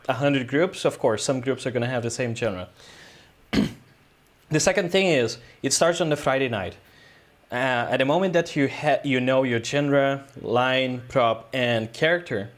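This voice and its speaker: A man, a guest filmmaker telling a story in a casual interview, rambling loosely with lots of "uh" and "um". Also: mid-range voice. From Brazil.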